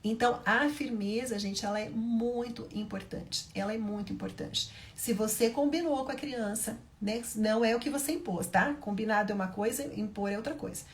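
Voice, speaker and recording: A woman's voice: fairly high pitch, moderate pace, few pauses, slight background noise. A woman with a Brazilian Portuguese accent, a mother giving parenting advice straight to her viewers, emphatic and repeating her key points. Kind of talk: direct-to-camera parenting advice talk.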